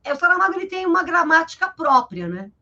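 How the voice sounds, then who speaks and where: A woman teacher with a Brazilian Portuguese accent, explaining literature in a live interview over a video call, in a lively, explanatory way that keeps checking in with her listener. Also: very high-pitched, quick pace, muffled recording. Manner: lively and explanatory, tags sentences with "né?".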